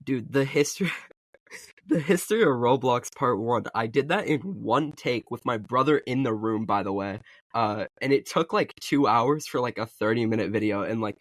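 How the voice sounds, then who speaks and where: A young man co-hosting a casual podcast chat, talking in halting stretches full of "like" and "uh". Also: mid-range voice, fairly bright tone, no echo, studio quality. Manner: halting, filler-heavy, lots of "like". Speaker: podcast co-host and video creator.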